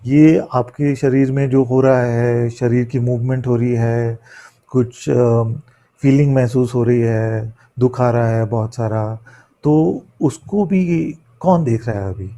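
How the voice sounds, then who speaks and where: A spiritual teacher gives a discourse in a question-and-answer setting, his voice medium-pitched and mellow. Not a native Hindi speaker, he apologises for his imperfect Hindi, halting as he searches for words and mixing in English.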